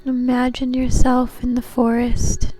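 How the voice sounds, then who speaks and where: Woman doing a guided meditation, real slow and mellow, faint music behind her. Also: on the high side, completely flat delivery. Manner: soothing, gentle, unhurried. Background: soft background music.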